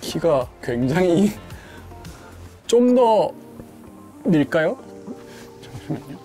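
A man's voice: fairly high pitch, sing-song, slow, mellow, faint music behind. A young man casually explaining things as he works as a setup technician in a small room. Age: young adult. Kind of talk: casual explaining while working. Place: small bedroom studio, indoors.

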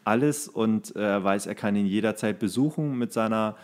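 A man hosting a podcast, chatting casually about films in a rambling, halting way, searching for words. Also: fairly low pitch, darkish tone. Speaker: podcast host. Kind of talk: casual film chat.

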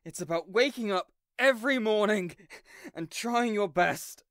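Female actor as underdog villain, earnest, stubborn, hesitant, unhurried, audio roleplay. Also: mid-range voice, dry recording, clean studio sound, natural voice. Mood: weary, defiant. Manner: hesitant, sighing, halting.

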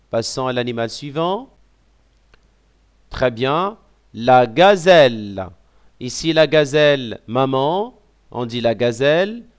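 A man teaching vocabulary, saying each word slowly and repeating it. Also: on the high side, clear, resonant tone. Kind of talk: slow vocabulary lesson.

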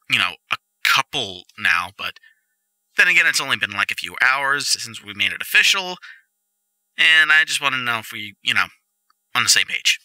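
A young man playing a goofy, excitable, reckless jock boyfriend in a roleplay audio drama, rambling eagerly and stammering. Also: medium pitch, no room sound, poor audio. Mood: hesitant.

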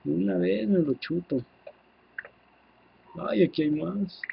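A man with a Mexican accent giving casual, excitable gameplay commentary, swearing freely and talking to his viewers. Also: sits high, slow pace, gravelly, highs cut off, slight background noise. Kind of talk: casual let's-play commentary.

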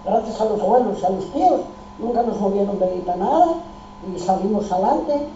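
A woman's voice: mid-range voice, expressive, fairly quick, warm tone, slight background noise. An older woman, emphatically recounting family memories and acting out old conversations. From Spain. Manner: emphatic, restarts often, acts out dialogue. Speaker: oral history participant. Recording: roomy, distant, dull lo-fi recording.

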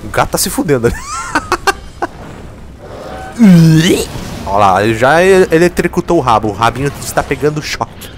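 A man's voice: mid-range voice, fast, few pauses. A man giving casual, profane, joking commentary while playing a video game. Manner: excitable, swears a lot, jokes at the game. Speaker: gameplay commentator. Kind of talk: casual let's play commentary. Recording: faint game music behind.

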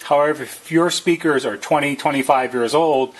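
A man with a slightly husky voice narrates a how-to as a service technician, explaining plainly and methodically, step by step. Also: on the high side, moderate pace, poor audio. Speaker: service technician giving a tutorial.

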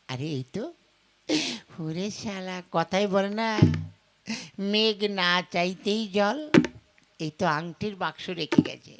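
A woman's voice: lowish voice, fairly bright tone. A woman voicing a mischievous, greedy young village boy who mutters cheekily to himself in a puppet-show comedy. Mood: greedy delight.

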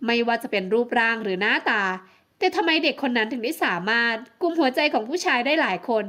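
A woman, the author, narrating her romance audiobook in a steady, smooth storytelling voice. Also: fairly high pitch, quick pace.

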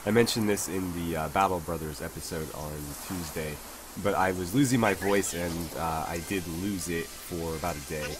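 Deep-voiced man narrating his gameplay. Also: moderate pace, noisy background. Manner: relaxed, thinking aloud with many fillers. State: recovering from lost voice. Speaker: let's play host. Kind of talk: casual gameplay commentary.

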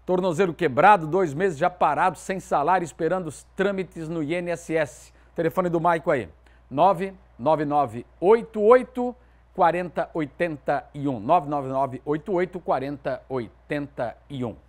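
A man in his forties with a Southern Brazilian accent, presenting sports news in a TV studio with lively, emphatic delivery. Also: fairly high pitch, normal speed. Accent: Southern Brazilian Portuguese.

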